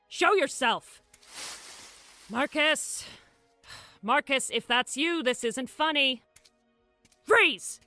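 An actor playing a calm, matter-of-fact male police detective. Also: very high-pitched, no echo, exaggerated voice. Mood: alert.

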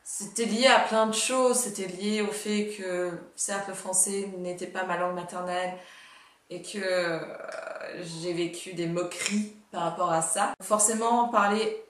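A woman's voice: medium pitch, steady tone, a little slow, roomy sound, recorded from a distance. A nineteen-year-old woman chatting casually and self-mockingly at a home desk, reacting to her old videos through an earphone mic. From Russia and Canada. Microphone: earphone headset mic.

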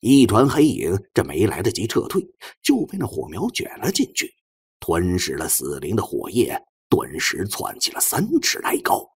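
A man's voice: low voice, huge pitch swings, moderate pace, breathy edge, no echo, clean studio sound. A man reading an audiobook as a dramatic, scripted narration.

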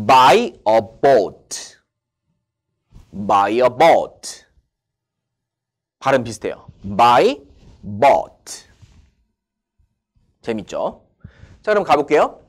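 A male English teacher with a very animated voice that swoops up and down. He talks slowly and reads each English example with deliberate care. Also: medium pitch. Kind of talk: online English lesson.

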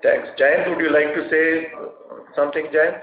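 A man with an Indian accent speaks haltingly as a company executive leading an earnings call. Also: on the high side, little pitch movement. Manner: halting, hesitant delivery with long hesitations. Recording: dull, echoey conference call line.

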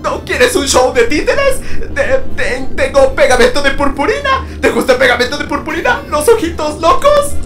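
Game sun animatronic: manic, over-friendly, frantic, Latin American accent, very animated, music behind. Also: male voice, very high-pitched, moderate pace, few pauses, far from the mic. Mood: frantic, eager. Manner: exclamatory, frantic, hyper-cheerful babbling. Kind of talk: game character fan dub.

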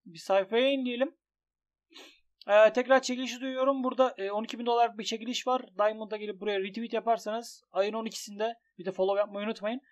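High-voiced excitable young man. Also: fast talker. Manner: excitable, swings from grumbling to shouting at losses. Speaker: gaming YouTuber. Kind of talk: commentary on an online gambling site.

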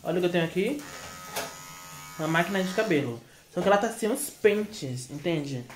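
A man's voice: high-pitched, expressive, moderate pace, slight background noise. A man with a Brazilian accent talking at home in a late-night vlog, chatty and rambling, with many fillers and repeated words. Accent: Brazilian Portuguese. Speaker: vlogger.

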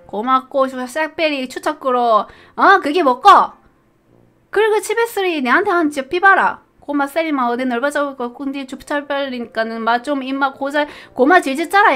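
A woman's voice: high voice, fairly bright tone. A young woman streamer casually talking through a quiz, reading questions aloud, puzzling over answers and laughing often.

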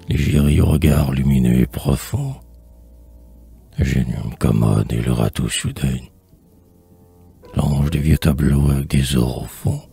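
A man's voice: very deep voice, gravelly, mellow, slightly rough. A man reciting poetry in a solemn, theatrical manner, drawing out phrases and at times sinking toward a whisper. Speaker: poetry reader.

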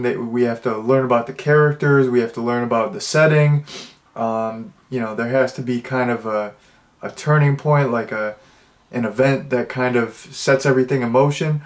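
A young man with a stuffed-up nose casually reviewing a movie, rambling with many restarts and fillers. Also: medium pitch. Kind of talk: casual spoken review, thinking out loud.

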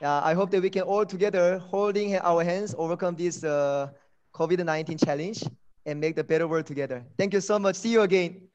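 High-pitched man giving a motivational talk. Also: fairly quick, darkish tone. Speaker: guest lecturer. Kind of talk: motivational online lecture. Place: indoors on a video call. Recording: dull, lo-fi video call.

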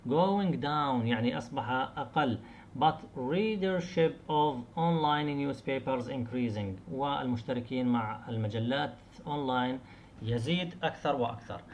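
A man teaching an English lesson to students, explaining in Arabic and reading English examples slowly, repeating words to show stress. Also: medium pitch, a little hiss or hum.

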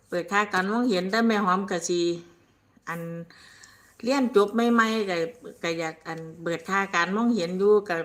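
Older isan lady rambling on a livestream, bright voice, laughs a lot. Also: fairly low pitch. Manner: chatty and rambling, laughs often, calls herself by name. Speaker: livestream host. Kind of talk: casual live-stream chat reading viewer comments.

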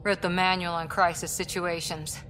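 A woman's voice: fairly low pitch, little pitch movement, moderate pace, a little hiss or hum, close to an everyday voice, low-quality recording. A woman playing a determined soldier lieutenant. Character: tough female military lieutenant, driven and loyal. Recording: game audio with soft music behind.

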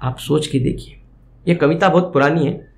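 A high-pitched man teaches a poem as a Hindi lesson. He goes line by line, repeating words and glossing each one in plain terms. The recording has a clear room echo. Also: normal speed.

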